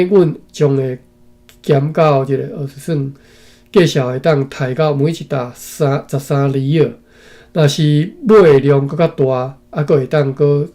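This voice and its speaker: Reading and commenting on a historical text, a Taiwanese man uses a fairly high, mellow voice. He proceeds one phrase at a time and often breaks away to address his listeners, usually closing those asides with a tag particle.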